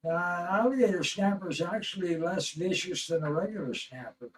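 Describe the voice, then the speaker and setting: A man with a high voice co-hosting a casual livestream, speaking in a blunt, matter-of-fact way. He is heard from a distance, with faint noise in the background. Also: normal speed. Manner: blunt and matter-of-fact, adds short remarks and corrections.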